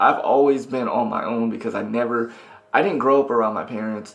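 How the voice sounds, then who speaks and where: The speaker talks at a fairly quick pace. Noticeable background noise is present. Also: man. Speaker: vlogger. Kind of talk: casual vlog monologue. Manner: mumbling; halting, self-interrupting.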